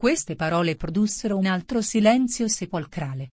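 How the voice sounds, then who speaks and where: A woman's voice: medium pitch, animated, moderate pace, darkish tone, no echo. A woman narrating a storybook as an audiobook reader, sometimes reading punctuation marks aloud. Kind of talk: scripted narration.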